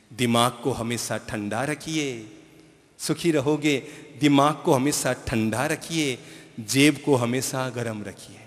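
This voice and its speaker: A male spiritual teacher preaches to a live audience, hammering each point home by repeating it and checking in with questions. His voice is bright and forceful and sits a little high. A long reverb from the large hall trails after his words. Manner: emphatic, repeats key phrases, asks the audience questions.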